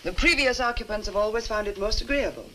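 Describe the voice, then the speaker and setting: An actress playing a sinister woman innkeeper in a 1960s horror film, speaking formally and with measured courtesy. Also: mid-range voice, close to an everyday voice. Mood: cool, formal. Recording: noisy old film soundtrack.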